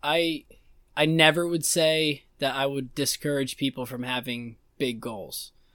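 The speaker has a bright, sharp tone and an American accent, talking at a fairly slow pace with ordinary pitch variation. The recording is very clean, with a silent background. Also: man. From New Jersey. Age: 20s. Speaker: podcast host. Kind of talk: casual chat.

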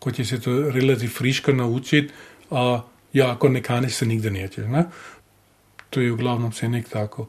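With fairly even intonation and a medium pitch, a man talks in a somewhat breathy voice. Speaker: lawyer. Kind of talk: casual chat. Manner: halting.

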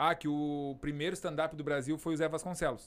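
This man has an unremarkable speaking voice, pitched fairly high and moving at a fairly quick pace. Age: 40s. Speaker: stand-up comedian and actor. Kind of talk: casual chat.

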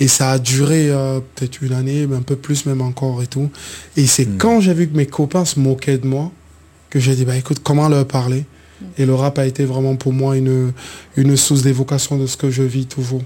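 Somewhat breathy and dark, mellow in tone, a man with a medium pitch speaks at a fairly quick pace. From Cameroon. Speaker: rapper and pastor. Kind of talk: casual chat.

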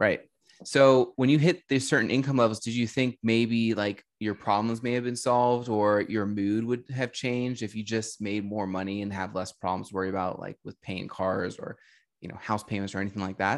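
A man talks in an unremarkable speaking voice at medium pitch. His pace is moderate and his intonation fairly even. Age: 30s. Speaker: podcast host. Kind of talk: podcast interview.

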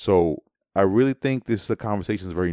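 In a New York accent, a man with a very deep, low pitch speaks at a fairly quick pace with lively intonation. The sound is dry and close with no echo, on a very clean recording with a silent background. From New York City, the Bronx. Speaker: podcast co-host. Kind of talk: casual chat. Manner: halting.

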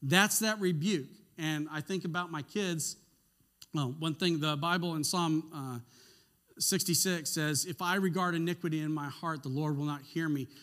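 An unremarkable speaking voice: a man with a fairly high pitch talks at a moderate pace with fairly even intonation, recorded very cleanly against a silent background. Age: 50s. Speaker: military veteran and guest preacher. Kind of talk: sermon. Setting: church service with congregation. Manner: casual, conversational.

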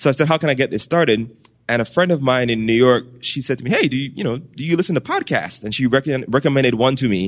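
A man at a very fast pace, medium pitch, ordinary pitch variation. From British Virgin Islands. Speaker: private banker and musician. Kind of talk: interview conversation. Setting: podcast interview.

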